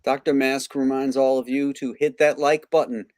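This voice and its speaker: A man's voice: mid-range voice, level tone, moderate pace, darkish tone, no echo, clean studio sound. A man hosting a comics livestream in a casual, conversational way. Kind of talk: casual chat.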